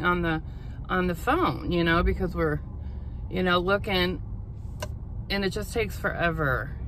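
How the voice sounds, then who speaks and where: A woman talks at a moderate pace, the sound dry with no echo and light noise in the background. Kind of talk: casual vlog chat. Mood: mildly frustrated. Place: car. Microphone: phone near.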